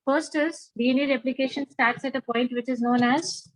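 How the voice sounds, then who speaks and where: A woman's voice: sits high, steady tone, normal speed, no room sound, rough recording. A woman with a South Asian accent teaching a biology class, repeating key points and prompting students with questions. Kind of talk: interactive lecture with questions to students.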